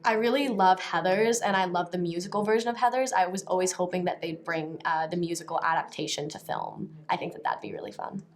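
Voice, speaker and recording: A young woman, an actress in a casual press interview, talking in an animated, rambling way. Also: lowish voice, fairly quick, few pauses. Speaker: actress guest.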